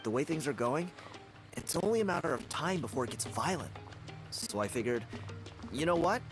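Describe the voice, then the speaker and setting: A man's voice: fairly high pitch, expressive, moderate pace, lightly acted. A man voicing a cocky, friendly young tribal dancer in a video game, with a breezy, self-satisfied manner. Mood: uneasy. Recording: game music behind.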